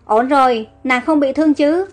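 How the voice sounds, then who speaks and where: A woman's voice: sits high, moderate pace, lightly acted. A woman voicing a young male pharaoh who is affectionate and reassuring, in a storybook reading. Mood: soothing. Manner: tender, reassuring.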